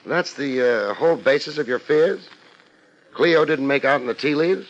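An actor playing a wry, laid-back American private detective in a 1950s radio drama, dry and unhurried. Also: male voice, on the high side, natural voice. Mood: deadpan, probing. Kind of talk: 1950s radio drama acting with first-person narration. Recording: muffled old 1950s radio broadcast.

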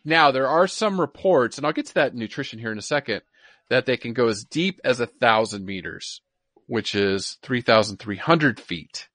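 A man with a bright, forward voice at a medium pitch, recorded close and dry. He talks like a podcast co-host explaining science to a friend, informally and with frequent repetition. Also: animated, normal speed, no echo. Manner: repeats himself, informal explaining. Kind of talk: casual science chat.

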